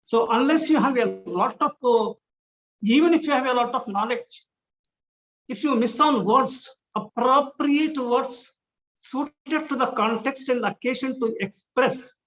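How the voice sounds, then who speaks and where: A middle-aged man with an Indian English accent and Telugu as his first language, giving an online guest lecture in a deliberate manner, with frequent fillers and restarts. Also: very high voice, a bit bright. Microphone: video call. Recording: muffled video call audio.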